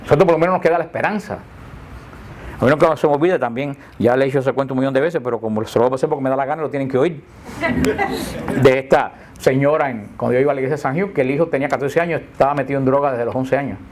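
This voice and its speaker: A man's voice: mid-range voice, racing, a little hiss or hum. An older man teaching a group about the Catholic faith in a chatty, joking, storytelling way. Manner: chatty, jokey storyteller who laughs at his own slips.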